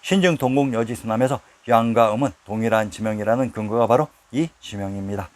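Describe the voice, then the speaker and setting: A man giving scripted history narration, reading long lists of place names in a steady, measured way. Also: fairly low pitch.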